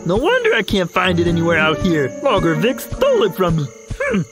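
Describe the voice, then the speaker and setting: An actor playing a childish, clumsy male cartoon bear who whines and pleads, with music underneath. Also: a little fast. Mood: curious. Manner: whiny, pleading, high and lively.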